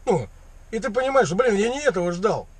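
Sitting in a parked vehicle's cab, a man pranks a sales caller with rambling, slangy, mock-naive casual talk. He sounds high-pitched and very animated, speaking fairly quickly, and the recording has no room sound.

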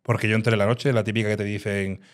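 Guy telling bouncer stories real fast, acts out all the dialogue. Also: fairly low pitch. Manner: animated storyteller, acts out quoted dialogue. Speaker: former nightclub bouncer. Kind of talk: casual storytelling interview.

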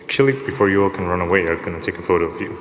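A man from Finland, giving a relaxed, lightly joking technical talk at a lectern in a large conference hall. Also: low voice, racing, slight background noise. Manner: relaxed, lightly joking, asks the audience show-of-hands questions. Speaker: conference speaker. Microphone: lectern microphone. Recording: long hall reverb, from the lectern mic.

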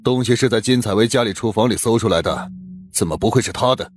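An actor playing a blunt, commanding middle-aged police captain in an audiobook drama. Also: male voice, on the low side, quick pace, close to an everyday voice. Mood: puzzled. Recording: music under the voice.

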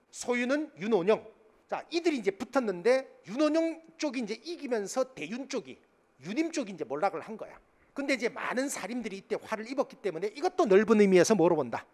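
A middle-aged male lecturer with a fairly high voice that swings widely up and down. He talks into a handheld mic in a lecture studio, and he keeps throwing rhetorical questions at the class before answering them himself. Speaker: history lecturer. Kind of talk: exam-prep classroom lecture. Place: lecture studio in front of a green board. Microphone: handheld microphone.

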